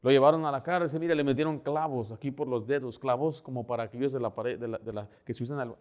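A middle-aged man preaching a sermon as pastor, animated, acting out little scenes as he talks. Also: mid-range voice, fast talker. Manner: animated, acts out door-knocking scenes.

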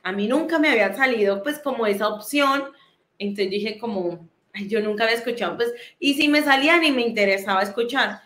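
A young woman shares a heartfelt personal testimony. Her voice sits a little high, and she talks in loose, repeating phrases with many fillers. The room around her adds a clear echo. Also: brisk. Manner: heartfelt, many fillers and repetitions, soft laughs. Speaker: guest giving a testimony. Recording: roomy echo.

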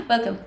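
A young woman from Denmark, speaking with a Danish accent, hosts a relaxed livestream in her home kitchen, answering viewer comments and often laughing. She's recorded indoors through a webcam at desk distance, so the sound is echoey with a faint hum in the background.

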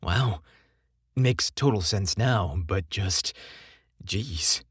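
A man's voice: lowish voice, drawn-out words, breathy edge, no echo, clean studio sound, heavily acted. A man voicing a shy, polite young gay man with a crush in an audio story, casual and a little flustered. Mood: stunned. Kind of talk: audio story character dialogue.

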